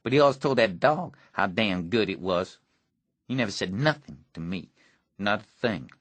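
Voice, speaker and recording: A man's voice: lowish voice, lively intonation, normal speed, fairly bright tone, dry recording. A man voicing a neglected, bitter rural teenage boy with a blunt, grim drawl.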